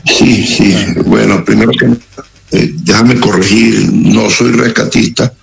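A middle-aged man from Caracas with a Venezuelan accent, speaking slowly and gravely as a radio interview guest, with frequent halting pauses. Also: on the low side, steady tone, low-quality recording. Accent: Venezuelan Spanish. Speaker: interview guest, security operative.

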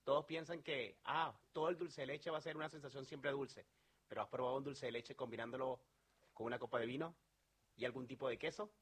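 A man's voice: medium pitch, steady tone, brisk, fairly bright tone, breathy edge. A man from Venezuela with a Venezuelan accent, talking earnestly as a sales manager in an interview, with many fillers and restarts.

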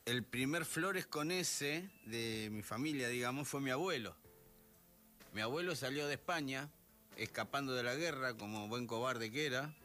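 A man's voice: mid-range voice, moderate pace, sharp tone, soft background music. A middle-aged man with a Rioplatense Spanish accent, telling wry stories on a radio show. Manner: easygoing, storytelling, wry. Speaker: radio co-host. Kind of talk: casual radio chat.

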